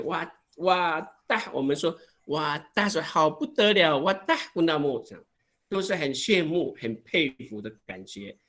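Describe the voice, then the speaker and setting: His pitch runs on the high side as he leads a language class over video. The man speaks with a Taiwanese Mandarin accent and dramatizes exclamations with long, expressive vowels.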